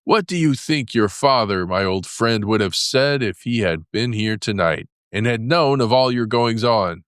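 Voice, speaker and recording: A man's voice: fairly low pitch, lively intonation, a little slow, fairly bright tone, no echo, studio quality. A man voicing a stern, wise old male badger in a storybook reading. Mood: severe. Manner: severe, commanding.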